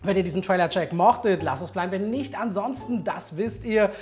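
A woman's voice: mid-range voice, a little fast, a little mellow, faint music behind. A young adult woman hosting a chatty video commentary as a film trailer reviewer.

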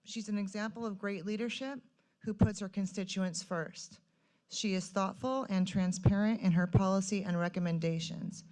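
A woman's voice: mid-range voice, fairly even intonation, moderate pace, darkish tone. A woman giving formal, prepared remarks as a member of the public at a meeting. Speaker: public commenter. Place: city council meeting room, at public podium.

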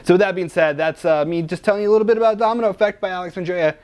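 A man's voice: high voice, rapid-fire, darkish tone, a little hiss or hum. A young man hosting a magic product review, chatty and joking, rambling with lots of restarts and fillers.

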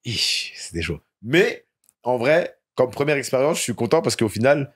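A man's voice: medium pitch, sing-song, normal speed, breathy edge. A young man from France telling stories as a podcast guest in casual chat, laughing often.

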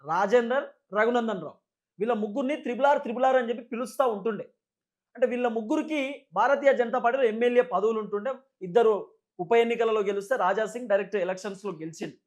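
Male political commentator, Telangana Telugu accent, very high voice, rapid delivery, emphatic and repetitive explaining. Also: darkish tone. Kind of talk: unscripted political news commentary.

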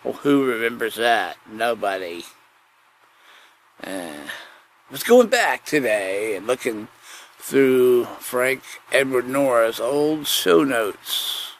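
A man's voice: medium pitch, lively intonation, slow pace. A man hosting a podcast with a rambling comic monologue, often repeating his phrases. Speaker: podcast host. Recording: noticeable background noise.

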